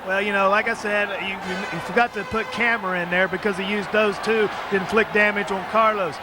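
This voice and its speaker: Insistent high-voiced male lucha libre announcer. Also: fairly even intonation, brisk. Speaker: wrestling co-commentator. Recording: noisy archival arena broadcast, crowd behind. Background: loud wrestling crowd.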